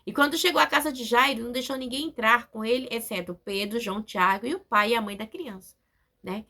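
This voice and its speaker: Bright-voiced woman preaching emphatically. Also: on the high side, brisk. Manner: emphatic, repetitive, with frequent tag questions. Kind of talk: sermon.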